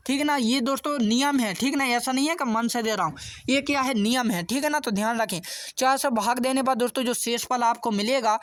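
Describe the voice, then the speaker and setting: A man's voice: very high voice, no echo. A man teaching an exam-prep math lesson, patiently walking through each step and constantly checking in with his viewers by asking questions and answering them himself. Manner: steady, patient explaining. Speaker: math tutor.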